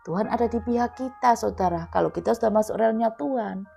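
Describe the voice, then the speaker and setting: A woman's voice: fairly high pitch, brisk, vocal fry, warm tone, faint music behind. A woman preacher giving an emphatic sermon at an online prayer meeting. She repeats key words and acts out quoted dialogue. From Indonesia.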